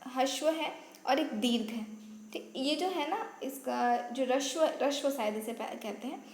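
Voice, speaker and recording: A woman's voice: sits high, a little slow. A woman teaching a basic Hindi grammar lesson for exam preparation, explaining step by step and checking in with "ठीक है", and apologizing now and then for her own pronunciation. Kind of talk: online exam-prep lesson. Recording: echoey room with faint ambient noise.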